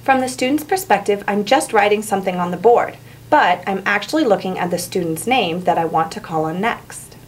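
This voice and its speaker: A woman's voice: medium pitch, lively intonation, brisk. Woman teacher in a roomy, echoing space. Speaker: English teacher. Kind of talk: instructional narration and classroom teaching. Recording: roomy echo, faint background noise.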